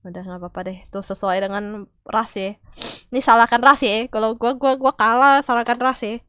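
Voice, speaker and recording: A woman game streamer with a cold and a slightly nasal, stuffy voice, chatting casually and calling out to teammates with loud exclamations and swearing. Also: a little high, steady tone, brisk, clean tone, dry recording, studio quality. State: has a cold. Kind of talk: casual gaming stream chat.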